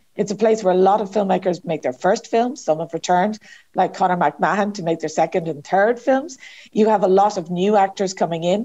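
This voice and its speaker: A woman with a Dublin accent, her tone dark and mellow, talking at a fairly quick pace with ordinary pitch variation. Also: medium pitch for a woman. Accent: Irish (Dublin). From Ireland. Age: 50s. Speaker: film festival director. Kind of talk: interview conversation.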